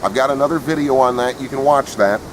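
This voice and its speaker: A man with a medium-pitched voice talks quickly in a casual, unscripted product review, plainspoken and opinionated. He's outdoors in the wind, and the wind noise is clearly audible.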